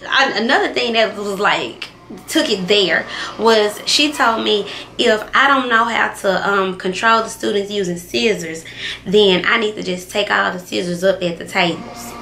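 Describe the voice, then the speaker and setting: A woman's voice: mid-range voice, unhurried, vocal fry, bright, forceful tone. A young adult woman, a kindergarten teacher, telling a story in a casual, emphatic vlog style with slang. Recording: echoey room with faint ambient noise.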